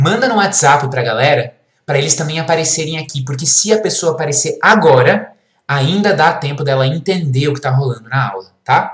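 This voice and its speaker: A man's fairly high voice sounds somewhat breathy, with lively intonation. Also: moderate pace. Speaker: psychology teacher. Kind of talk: live online lecture. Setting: YouTube livestream. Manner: animated.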